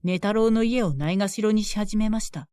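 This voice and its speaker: A woman telling a scripted bedtime story in a gentle, even storytelling manner. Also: mid-range voice, brisk, clean tone.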